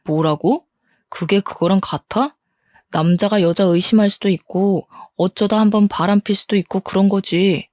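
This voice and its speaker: A woman's voice: medium pitch, moderate pace, darkish tone, dry recording, studio quality, natural voice. A woman voicing a defiant, scornful middle-aged husband caught cheating, reading a story aloud. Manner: blustering, scornful, defensive.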